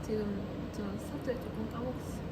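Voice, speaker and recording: Over heavy noise, an idol livestream host in her twenties talks briskly in a fairly high voice with fairly even intonation. She has a slight Korean regional dialect and stays giggly and chatty while responding to viewer comments.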